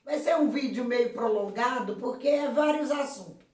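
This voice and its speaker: A hoarse woman pastor from Brazil giving a slow, emphatic sermon-style video message, with frequent praise interjections. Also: sits high, darkish tone. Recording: echoey room, voice from a distance.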